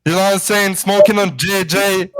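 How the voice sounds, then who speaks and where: A man's voice: high-pitched, steady tone, normal speed, low-quality recording. A man from Bosnia, a longtime fan joining a live stream, talking eagerly in slang. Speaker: fan calling in. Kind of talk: excited fan chat.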